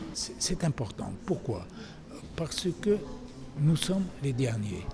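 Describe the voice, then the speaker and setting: There is a man here, speaking very slowly. His fairly high voice moves in very wide pitch swings. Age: 80s+. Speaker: war veteran. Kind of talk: testimony. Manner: halting.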